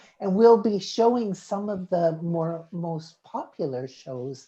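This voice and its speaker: A woman speaks with a dark, mellow tone that is somewhat breathy. Her pace is fairly slow and her intonation lively. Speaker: talk show host. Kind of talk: online talk show introduction. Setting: online video call. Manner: halting, many fillers.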